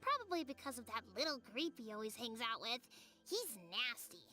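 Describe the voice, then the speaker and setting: A woman's voice: on the high side, big pitch swings, moderate pace, pushed and bright, faint music behind. A woman voicing a small, earnest and outspoken village child in a video game, with a childlike manner. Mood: indignant.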